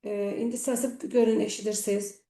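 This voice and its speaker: A woman's voice: mid-range voice, flat delivery, moderate pace, gravelly, warm tone. A woman English teacher, explaining listening-test strategies to students in a repetitive, emphatic way. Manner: repetitive, emphatic, often saying "bax". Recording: echoey room.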